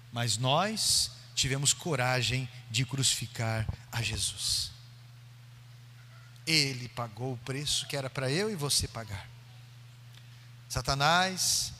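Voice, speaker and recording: Brazilian pastor, male, animated storyteller, bright tone, roomy church sound. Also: on the high side. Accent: Brazilian Portuguese. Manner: dramatic storytelling, acting out quoted voices. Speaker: preacher. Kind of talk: sermon. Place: church sanctuary. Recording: long church hall reverb.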